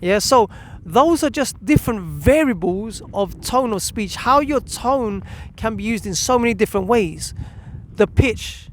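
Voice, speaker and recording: A man's voice: high voice, animated, unhurried, a little hiss or hum. A man speaking as a parenting coach, giving a direct instructional talk with repeated key words and rhetorical questions. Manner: emphatic repetition with rhetorical questions. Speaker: parenting coach presenting a video.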